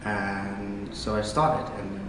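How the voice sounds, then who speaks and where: A teenage boy from South Africa with a fairly low voice talks eagerly, tripping over his words and filling gaps with "like". The sound is very echoey, with clear background noise in a large hall. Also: fairly even intonation, slow pace. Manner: eager, stumbling, says like. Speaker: student debater. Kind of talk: casual interview answers. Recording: very echoey hall, noisy, mic at a distance.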